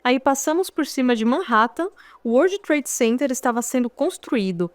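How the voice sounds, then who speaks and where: A woman with a Brazilian Portuguese accent narrates a first-person memoir audiobook, her voice sitting a little high. She tells the story conversationally and drops in wry asides to the listener. It is close-miked in a studio with a dry, dead sound. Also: animated, normal speed, dry recording.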